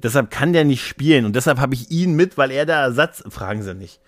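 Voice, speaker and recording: A man's voice: mid-range voice, animated, brisk, no room sound. Man, mid-range voice, casual podcast chat, rambling jokey storyteller, very dry recording. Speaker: podcast co-host.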